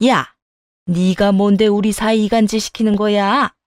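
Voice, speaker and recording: An arrogant, spiteful mother-in-law, voiced by a woman, shrill and quick to yell or whine. The sound is dry and close, at an ordinary pitch for a woman. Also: fairly even intonation, no echo, lightly acted. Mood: shouting. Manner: yelling, then whiny pleading. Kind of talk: storytelling dialogue.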